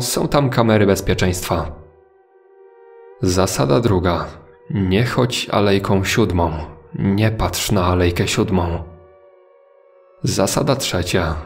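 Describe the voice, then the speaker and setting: Male horror narrator, low register, heavy vocal fry, scripted first-person storytelling.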